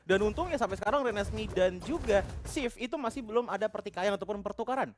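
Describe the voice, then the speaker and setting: A man's voice: high-pitched, quick pace, a little hiss or hum. An Indonesian man giving analytical live esports commentary as a caster, explaining in a colloquial way.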